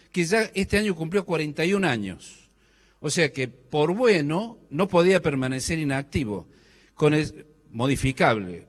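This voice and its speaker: Middle-aged argentine guy with a cordoba accent, kinda high voice, joking around and quizzing the crowd, hall echo. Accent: Argentine Spanish, Córdoba. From Córdoba, Argentina. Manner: joking, quizzes the audience with questions. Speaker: speaker at a business conference. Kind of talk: conference talk to a live audience. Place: large hall. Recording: hall reverb.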